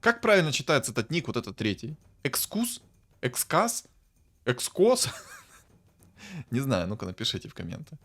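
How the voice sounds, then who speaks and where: A man casually commenting on a strategy game as a streamer, thinking aloud and breaking into bursts of excitement. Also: mid-range voice, fast talker. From Ukraine.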